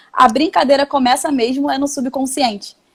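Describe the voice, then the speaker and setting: A woman is speaking. Her pace is moderate. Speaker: anxiety and mindset speaker. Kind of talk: live stream talk. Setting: live stream.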